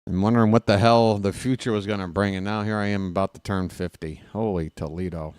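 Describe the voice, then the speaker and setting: Speaking a little fast in a lowish, clean-toned voice, a fan broadcaster in his late forties gives casual live play-by-play of a baseball game. He slips in wry, sarcastic asides and grumbles, growing loud and animated whenever he rants. It's a dry, clean studio recording.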